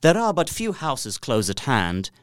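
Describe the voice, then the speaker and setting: A man's voice: mid-range voice, wildly swooping pitch, a little slow, no echo, studio quality. An actor playing a polite, observant and uneasy young solicitor, narrating his journal earnestly and precisely in a gothic audio drama. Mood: polite, businesslike. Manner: precise, earnest, theatrical storytelling.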